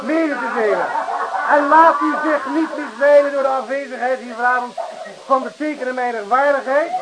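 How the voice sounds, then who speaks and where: A man's voice: very high voice, heavy background noise. An actor playing a drunken, boisterous man declaiming like a pompous official in a Dutch radio drama. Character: drunken loud bar reveler, pompous mock official. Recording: old radio recording, rowdy crowd behind.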